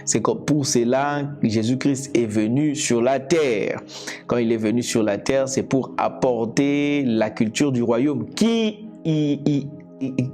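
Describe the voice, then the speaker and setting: Slow, deliberate Congolese preacher man. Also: mid-range voice, warm tone. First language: Lingala. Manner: slow, deliberate, repeats and restarts phrases. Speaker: evangelist preacher. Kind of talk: teaching sermon. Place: indoors, seated.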